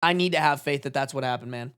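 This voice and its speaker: Chatting casually with a live audience on a reaction stream, this twenties host uses slang, emphasis, and frequent curses. Their mid-range voice is smooth and a bit bright, and they talk fast.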